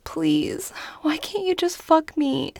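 A young woman whispering and pleading softly into a close microphone in an adult audio roleplay. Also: high voice, wildly swooping pitch, slow, no room sound. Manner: mostly whispered, pleading and breathy.

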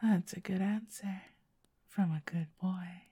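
A young woman in an intimate audio roleplay, talking softly and coaxingly and often whispering close to the microphone. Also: fairly low pitch, fairly even intonation, slow, husky, no room sound.

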